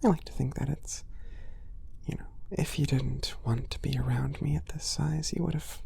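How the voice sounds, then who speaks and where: A woman voicing a gentle, shy, affectionate cat boy in an intimate ASMR roleplay, whispering softly with hesitant, apologetic politeness. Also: extremely low pitch, steady tone, normal speed, a little hiss or hum, heavily acted. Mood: tender, grateful. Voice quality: soft, breathy whisper.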